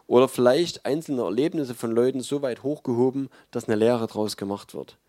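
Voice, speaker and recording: A man's voice: medium pitch, normal speed, warm tone, no room sound, studio quality. A man giving a sermon in a conversational, emphatic way, with frequent fillers. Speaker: preacher.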